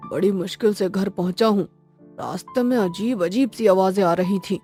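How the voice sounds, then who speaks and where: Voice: medium pitch, normal speed, a little mellow, lightly acted. A woman doing a tired village man. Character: nervous village man returning home. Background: background music.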